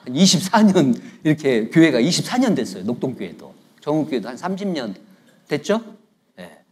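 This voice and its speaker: Brisk and very animated, the middle-aged guest preacher has a slightly high, mellow voice with a breathy edge. In the church sanctuary he jokes and spins stories through a conversational sermon, constantly drawing responses from the congregation.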